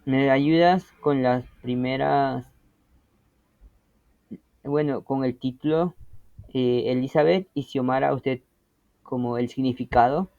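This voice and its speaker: A man's voice: medium pitch, steady tone, takes it slowly, vocal fry, pauses often, a little mellow, no room sound, lo-fi sound. A man teaching an interactive language lesson, patiently explaining and often checking that students follow.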